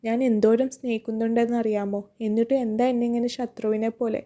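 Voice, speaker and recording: A woman's voice: on the high side, little pitch movement, quick pace, mellow, close to an everyday voice. Timid heartbroken young woman, read by a narrator. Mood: pleading. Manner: faltering, pleading. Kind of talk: audiobook character voice.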